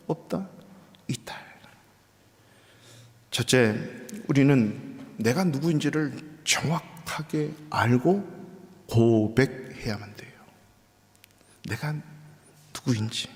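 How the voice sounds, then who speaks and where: A middle-aged man preaching a sermon as pastor, telling stories, acting out voices and dropping at times to a soft whisper. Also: medium pitch. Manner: storytelling, acts out voices, drops to soft whispers. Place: church sanctuary. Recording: reverberant church hall.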